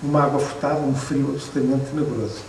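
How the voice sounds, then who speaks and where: A man's voice: medium pitch, fairly even intonation, fast, darkish tone. A Portuguese man in his fifties with a European Portuguese accent, telling anecdotes to an audience in a reflective way, with hesitant restarts and wry asides about himself. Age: 50s. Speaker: photographer and book author at a presentation. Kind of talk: relaxed anecdotal talk to an audience. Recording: echoey room, distant mic, faint noise.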